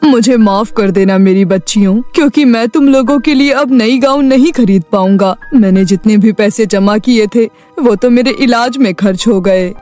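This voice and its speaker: A woman voicing a gentle, poor middle-aged father of five daughters in a cartoon story, tender and caring in manner. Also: on the high side, normal speed, hardly any pauses, soft background music, close to an everyday voice. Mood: apologetic. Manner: tender, reassuring, apologetic. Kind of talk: cartoon story character acting.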